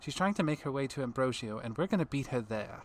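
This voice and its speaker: A man's voice: mid-range voice, lively intonation, fast talker, slight background noise, close to an everyday voice. A man playing a terse, matter-of-fact rescuer with an axe in an audio drama, dry and businesslike.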